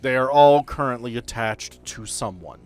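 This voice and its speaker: A man acting as game master for a tabletop game narrates and explains the rules conversationally. His voice is medium in pitch at a moderate pace, with background music playing behind it.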